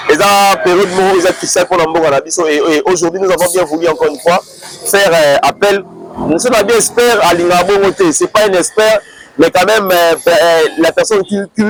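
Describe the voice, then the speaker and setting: A man's voice: high-pitched, rough recording. Congolese man hosting over crowd noise. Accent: Congolese French. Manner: loose, rambling with many fillers and restarts. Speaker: host. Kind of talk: casual talk show hosting, mixing in Lingala. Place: outdoors in a busy street area.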